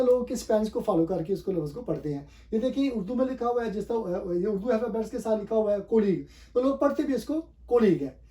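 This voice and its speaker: In a high, warm voice, a man with an Urdu-speaking South Asian accent teaches English pronunciation the way a classroom teacher would. He repeats the correct forms, stresses them, and spells words out letter by letter.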